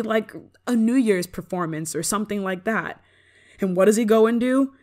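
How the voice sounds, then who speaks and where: A woman playing a haughty young pop star who is prickly but secretly soft, in an ASMR roleplay, bragging and easily flustered. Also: medium pitch, close to an everyday voice. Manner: tsundere: bragging and dismissive, flustered stammering when touched. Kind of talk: ASMR roleplay acting, one-sided dialogue.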